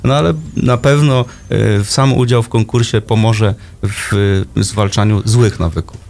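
A man's voice: on the low side, a little slow, creaky, darkish tone. A man taking part as a guest in a radio interview, listing points hesitantly with many fillers. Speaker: guest official. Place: radio studio.

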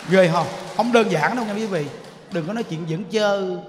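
A man preaching a sermon, emphatic and full of rhetorical questions, dropping to soft chanted recitations. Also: high-pitched, moderate pace, background noise. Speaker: Buddhist monk preacher. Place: temple hall. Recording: echoey hall reverb.

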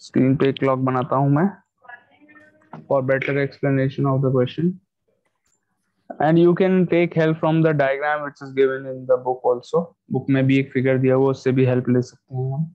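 A man's voice: medium pitch, flat delivery, very fast. A man with a South Asian accent teaching maths in an online class, mixing Hindi and English and checking in with short questions. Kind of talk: online class lesson, addressing pupils. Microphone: video call. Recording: dull lo-fi online call audio.

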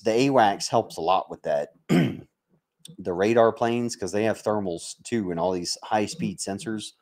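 This livestream host is a military veteran from Mississippi in the United States. He talks to viewers in a lowish, slightly mellow voice, trading blunt, sweary jokes in an easygoing, bantering way.

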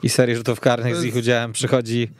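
Smooth-voiced male sports podcast host. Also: medium pitch, completely flat delivery, fast talker, no echo, studio quality. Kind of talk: presenting a casual sports discussion. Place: radio studio.

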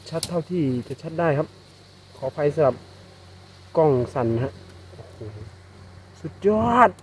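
A man with a Northeastern Thai accent narrating a casual outdoor vlog while he harvests wild bee nests, exclaiming excitedly and calling his viewers brothers and sisters. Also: on the high side, moderate pace, slight background noise. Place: outdoors in rural scrubland.

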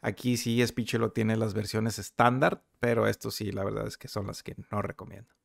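A man giving a casual, somewhat halting software review as a screen-recorded tutorial. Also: lowish voice, fairly even intonation, vocal fry, no echo, studio quality.

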